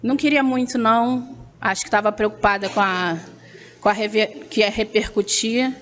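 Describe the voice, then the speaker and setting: A woman's voice: medium pitch, fairly even intonation, moderate pace. A woman in her thirties from Brazil, a teacher giving a joking, chatty testimony on a hall mic. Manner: chatty, joking, loud-voiced. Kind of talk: public talk at a spiritist center. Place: meeting hall.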